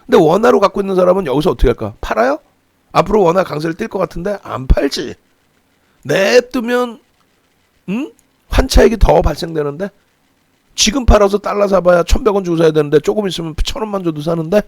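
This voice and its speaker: Hosting a channel about the stock market, a middle-aged man lectures on stocks and currency with rhetorical questions and a lively, scolding tone. His gravelly voice sits high and moves fairly quickly, and there's no echo in the recording.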